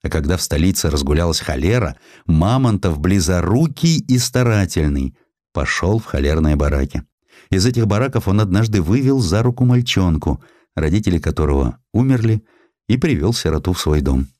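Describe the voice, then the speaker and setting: Deep-voiced man narrating history. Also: lively intonation, normal speed, warm tone, no echo, clean studio sound. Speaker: audiobook narrator. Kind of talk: dramatic literary scripted narration of historical prose.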